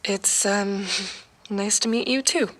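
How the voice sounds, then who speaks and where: A woman's voice: medium pitch, steady tone, slow, a bit bright, dry recording. A woman playing a weary, defeated single mother in her thirties in an audio drama, resigned, hesitant and defensive. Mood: uneasy, hesitant. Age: 30s. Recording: music under the voice.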